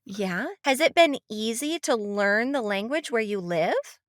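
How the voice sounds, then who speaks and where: Young female kids'-show host, gently encouraging, slightly high, dry close recording. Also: animated, unhurried, no room sound. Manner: gentle, encouraging, often repeats answers back. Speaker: children's program host and interviewer. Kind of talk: children's show interview.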